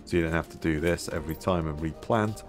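A man musing aloud as he plays a game, his voice a little hoarse, with many fillers. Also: a bass voice, fast, music in the background. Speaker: gameplay video host. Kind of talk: casual gameplay commentary.

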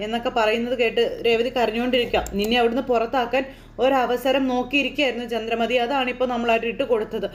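A woman in casual style quickly retelling a TV serial episode, slipping into the characters' lines as she goes. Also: on the high side. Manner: lively storyteller voicing characters' lines in passing. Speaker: serial recap narrator. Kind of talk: fast casual plot retelling.

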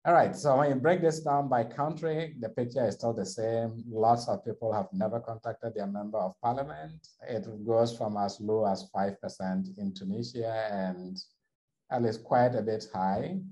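A man's voice: lowish voice, steady tone, normal speed, dark tone, low-quality recording. A man presenting survey findings over slides in a webinar, explaining steadily with frequent restarts.

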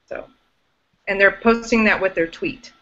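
A woman's voice: mid-range voice, unhurried, bright, forceful tone. A woman teacher explaining a class activity casually on a video call, with frequent ums. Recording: dull lo-fi video call audio.

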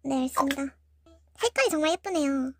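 A woman's voice: sits high, expressive, quick pace, a little mellow. A teenage girl hosting a video, chatting casually with a friend and narrating to viewers. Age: teens, about middle-school graduation age. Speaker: host of a slime-making prank video.

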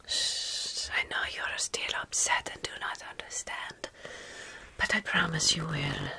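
A woman in her thirties voicing a tender, motherly vampire in a soft, soothing whisper for ASMR roleplay, close to the mic. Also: low-pitched, gravelly, exaggerated voice. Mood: reassuring, solemn. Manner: soothing, slow, reassuring. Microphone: close ASMR microphone.

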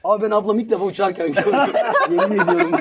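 A man telling funny childhood stories in a casual studio chat, animated and often laughing as he talks. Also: sits high, racing, heavy background noise. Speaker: podcast guest storyteller. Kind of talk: comic storytelling in casual chat. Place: studio with live audience. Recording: studio audience laughing loudly.

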